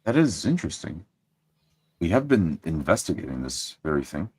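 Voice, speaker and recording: A man playing a formal, probing adventurer in a tabletop game, with a husky voice and deliberate questions. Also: a bass voice, big pitch swings, darkish tone, exaggerated voice. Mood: grave, inquisitive.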